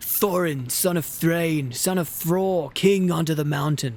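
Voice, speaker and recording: Someone puts on a character voice at a fairly slow pace. Light background noise is present. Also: man, high pitch for a man. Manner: loud, proud.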